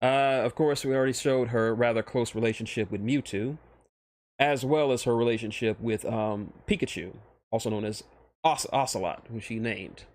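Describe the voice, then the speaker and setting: A medium-pitched man gives casual streamed commentary on fictional characters he made, his explanations halting and full of restarted phrases.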